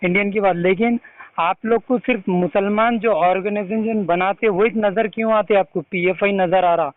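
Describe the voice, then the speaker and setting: A man's voice: sits high, fairly even intonation, moderate pace, no echo. A man with a Hyderabadi accent on a phone call, pressing his questions insistently and accusingly, often cutting in. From India. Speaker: activist caller questioning a religious leader. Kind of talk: confrontational phone conversation. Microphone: phone call recording. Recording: tinny, narrow-band phone line.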